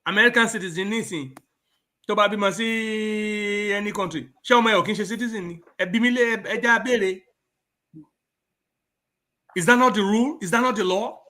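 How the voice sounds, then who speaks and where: Fast, bright-voiced Yoruba-accented man. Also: sits high. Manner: emphatic, switching between Yoruba and English. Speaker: talk show guest. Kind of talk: political talk show discussion.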